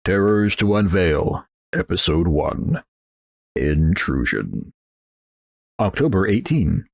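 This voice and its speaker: A man's voice: sits low, very animated, takes it slowly, creaky, breathy edge, no echo. A man in his twenties giving rambling, self-mocking commentary while playing a horror game, reading its text aloud. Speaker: gaming channel host. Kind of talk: casual let's play commentary.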